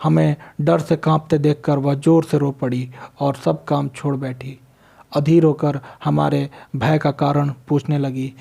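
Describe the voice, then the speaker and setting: A man's voice: on the high side, flat delivery, unhurried, creaky, mellow, breathy edge. A man teaching a literature lesson, reading a line from a story and then explaining it in simple words, asking questions and answering them himself.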